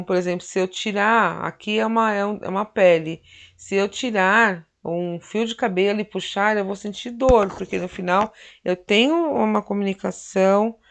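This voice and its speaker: Female teacher, mid-pitched, chatty lecture delivery with constant check-ins. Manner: explanatory, frequent tag questions and fillers. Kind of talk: recorded anatomy lecture.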